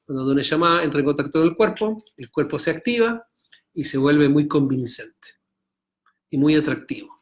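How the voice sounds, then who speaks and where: A man's voice: on the high side, expressive, normal speed. A middle-aged man with a Chilean Spanish accent teaching an online Torah class, reading Hebrew text aloud and translating it line by line, often checking in with his students.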